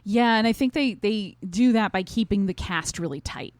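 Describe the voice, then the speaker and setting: A woman co-hosting a podcast, chatting casually through a review in an agreeable, expressive way and thinking aloud as she goes. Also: medium pitch, normal speed, no echo. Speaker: podcast co-host reviewing a stage play. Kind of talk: casual conversational review chat.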